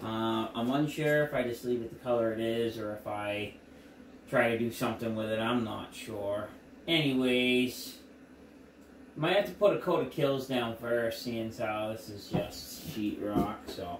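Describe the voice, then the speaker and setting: There is light background noise and audible room echo as a man speaks at a fairly slow pace. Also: ordinary pitch variation. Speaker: home DIY vlogger. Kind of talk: casual vlog chat. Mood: jokey, relaxed. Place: home room. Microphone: camera far.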